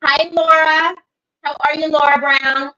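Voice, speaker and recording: A woman with a high, bright voice hosts a casual crafting livestream from her computer mic. She talks in a slow, easygoing way, stopping often to greet viewers by name. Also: level tone, dull audio. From Northern California.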